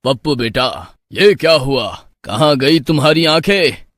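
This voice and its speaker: Cartoon village headman, a man voicing him, calm, fatherly, mid pitch, dry close sound. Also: measured pace, no echo. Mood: concerned.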